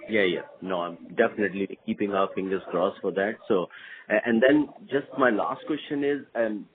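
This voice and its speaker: Male analyst, slightly low pitch, polite, halting spontaneous questioning on a thin telephone line. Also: background noise. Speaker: investment analyst asking questions. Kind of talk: spontaneous conference call questioning. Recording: thin phone-like call line.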